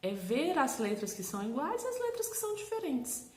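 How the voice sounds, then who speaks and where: A woman's voice: sits high, brisk, echoey room. A woman with a Brazilian Portuguese accent, a literacy teacher giving encouraging, instructional advice to parents. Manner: animated, encouraging, checks in with "tá bom?".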